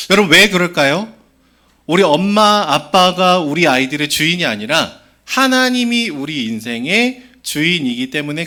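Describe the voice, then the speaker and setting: Animated bright-voiced male pastor. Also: on the high side. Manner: animated, questions to the children. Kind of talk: children's sermon.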